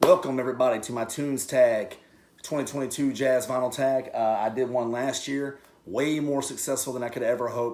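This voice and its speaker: With noticeable background noise behind him, a man talks at a fairly quick pace in a monotone, flat intonation. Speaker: vinyl record YouTuber. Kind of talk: casual vlog. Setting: home man cave room. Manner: fast.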